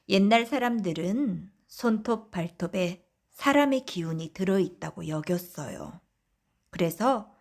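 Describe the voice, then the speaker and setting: A woman narrating the close of a traditional bedtime story, explaining its old belief in a calm storytelling manner. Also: lowish voice. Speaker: audiobook narrator.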